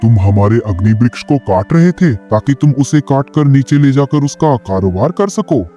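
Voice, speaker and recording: A stern, threatening tribal chief acted by a man in a cartoon moral tale. The tone is dark and soft-edged at a middling pitch, yet the words come as accusations. Music plays underneath. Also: lively intonation, moderate pace, dull audio, lightly acted. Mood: outraged. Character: stern, threatening male tribal chief guarding sacred trees. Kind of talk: animated moral story dialogue.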